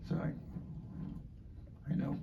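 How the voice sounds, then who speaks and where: A man on the dining staff giving an informal talk to residents, halting, with many fillers and restarts. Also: highs cut off. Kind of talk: informal speech to an audience. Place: community hall. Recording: far from the mic, faint background noise.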